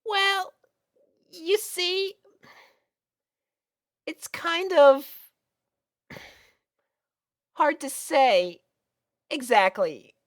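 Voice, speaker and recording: A woman voicing a shy, nervous young girl pony in a fan fiction audio drama, with hesitant, halting speech. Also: very high-pitched, sing-song, heavily acted. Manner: hesitant, halting, full of ums.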